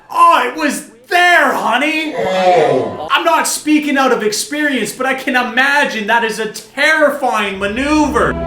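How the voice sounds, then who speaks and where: Loud speech comes at a fairly slow pace with hardly any pauses over noticeable background noise. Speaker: YouTube ski commentator reacting to contest footage. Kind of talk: reaction commentary. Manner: loud, excitable; animated.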